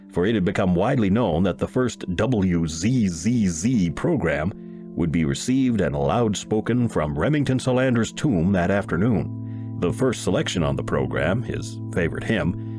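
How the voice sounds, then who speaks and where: A man reading a first-person short story aloud as an audiobook narrator, in an expressive, folksy storytelling manner. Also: lowish voice.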